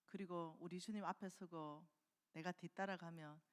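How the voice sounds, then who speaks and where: A woman delivers a revival sermon, retelling a story and voicing its characters with animated energy. Her voice sits a little low, and it rings out with a long reverb across a church hall. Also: moderate pace. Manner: animated storytelling, acting out quoted dialogue. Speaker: preacher. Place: church sanctuary.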